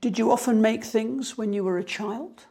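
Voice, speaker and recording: A woman examiner putting formal interview questions in a measured, procedural way. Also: on the high side, mellow, slightly rough. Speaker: speaking test examiner.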